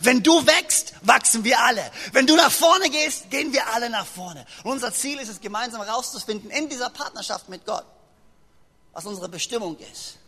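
A man preaching a sermon to a congregation, lively and joking as he speaks straight to his listeners. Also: very high voice, normal speed, breathy edge. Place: church hall. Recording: long reverb of a large hall.

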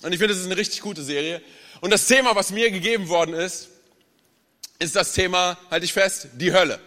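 A young man's high, bright voice fills a church with a long hall echo. He preaches as a guest speaker, lively and chatty, throwing jokes at the congregation. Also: a little fast. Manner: energetic, chatty, tells jokes. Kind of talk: sermon. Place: large church hall with audience.

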